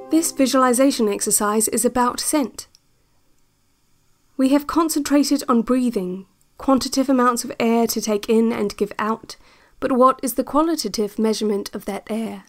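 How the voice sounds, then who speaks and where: An actress playing a calm, controlling narrator of a relaxation cassette in an audio drama, speaking in measured, deliberate phrases. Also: female voice, on the high side, close to an everyday voice. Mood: calm, instructive. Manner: measured, hushed guidance with deliberate pauses. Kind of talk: scripted guided-visualisation audio drama. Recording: voice over loud ambient music. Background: ambient new-age music.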